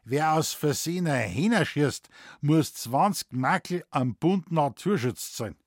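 A man voicing a sly, gruff old forest warden who speaks in broad Bavarian dialect, drawling and mischievous. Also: a little high, animated, unhurried, dry recording, studio quality. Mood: dry.

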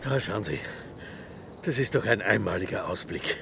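An actor playing a talkative small-town mayor who rambles and chuckles while showing a visitor the view. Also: male voice, fairly low pitch, expressive, moderate pace, creaky, very noisy. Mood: proud. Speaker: local official guiding a visitor.

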